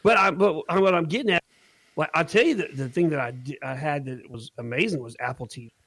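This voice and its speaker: A man's voice: fairly high pitch, fast, fairly bright tone, no room sound. A man with an American accent chatting casually as a podcast co-host in a laid-back, slangy, mildly profane way. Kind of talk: casual chat.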